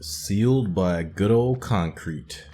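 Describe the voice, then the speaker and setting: A man's voice: low-pitched, takes it slowly, warm tone, slight background noise. A man hosting a gaming playthrough, commenting casually and informally as he thinks aloud and explains things. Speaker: gaming video host.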